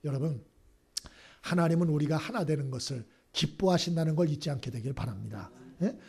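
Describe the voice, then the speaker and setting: A man's voice: fairly high pitch, darkish tone, breathy edge. A male pastor preaching a sermon in a church, telling stories and often checking in with the congregation.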